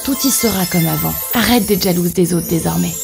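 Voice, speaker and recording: A woman voicing a calm, stern but forgiving magic fish in a children's fairy tale cartoon, measured and admonishing. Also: on the low side, creaky, over music.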